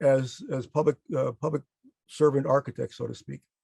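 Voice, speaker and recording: Somewhat breathy speech at a fairly quick pace, dry and close with no echo. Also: man. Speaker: architect and webinar presenter. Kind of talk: webinar presentation. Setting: online webinar. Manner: fast; halting with many fillers.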